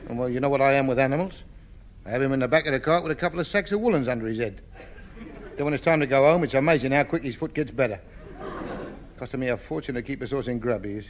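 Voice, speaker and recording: An actor playing a cheeky, coaxing rag-and-bone dealer in a 1950s radio sitcom. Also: male voice, medium pitch, fast, slight background noise, lightly acted. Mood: wheedling.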